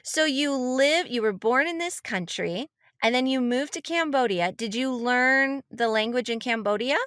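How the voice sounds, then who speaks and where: A young adult woman hosting a children's show, gently interviewing a child and repeating answers back encouragingly. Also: high-pitched, normal speed, no echo, studio quality. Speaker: children's program host and interviewer.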